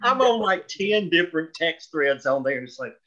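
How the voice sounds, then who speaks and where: A man's voice: on the high side, big pitch swings, moderate pace, fairly bright tone, lo-fi sound. A man chatting casually and explaining things in an eager, informal way.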